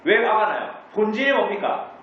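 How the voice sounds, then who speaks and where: Pastor teaching a catechism class, high and lively voice, asks the room questions and answers them himself, caught from a distance in a dull, very echoey church hall. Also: male voice, moderate pace.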